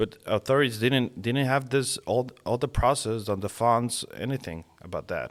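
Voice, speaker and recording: A man with a Spanish accent speaks at medium pitch and a moderate pace, with ordinary pitch variation and hardly any pauses. The recording is very clean, with a silent background. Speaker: falconer. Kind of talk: interview. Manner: halting.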